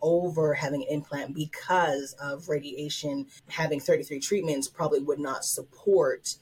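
A woman in her thirties speaking in an interview about her treatment, reflective and halting, with repeated restarts. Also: deep voice, fairly even intonation, a little mellow, slightly rough, rough recording. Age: 30s. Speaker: patient interviewee. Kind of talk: interview testimony.

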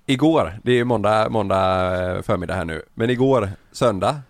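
A man's voice: lowish voice, gravelly, no echo. A young man co-hosting a podcast, telling an anecdote with laughs between sentences, in casual chat. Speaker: podcast co-host. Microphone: studio microphone.

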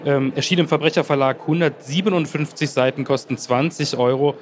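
A man's voice: on the high side, fairly even intonation, brisk, slight background noise. A man hosting a book podcast, asking questions in an engaged, conversational way. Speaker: podcast host. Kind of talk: interview questions.

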